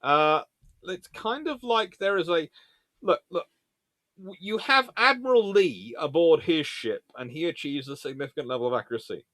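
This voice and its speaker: Higher-pitched man presenting naval history. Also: expressive, moderate pace, pushed and bright, no echo. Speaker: host of a naval history show. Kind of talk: book review with reading aloud and answering questions.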